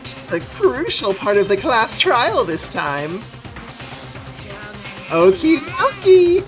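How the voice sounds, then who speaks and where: A woman's voice: sits high, sing-song, takes it slowly, over music, voice pushed up, full character voice. A woman voicing a gleeful, sarcastic mascot villain from a game, with a teasing sing-song delivery. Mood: teasing, mock cheerful. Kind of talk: amateur game character voice-through.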